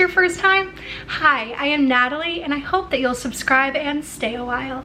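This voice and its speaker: Speaking at a fairly quick pace in a raised, projected voice, a woman with an American accent pitches high with lively intonation over noticeable background noise. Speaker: lifestyle vlogger. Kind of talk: casual chat. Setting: home kitchen. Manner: fast.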